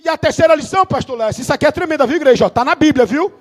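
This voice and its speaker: A Brazilian man preaching a fervent Pentecostal sermon as pastor, often shouting and rattling off scripture at speed. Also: very high-pitched, lively intonation, rapid-fire. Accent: Brazilian Portuguese.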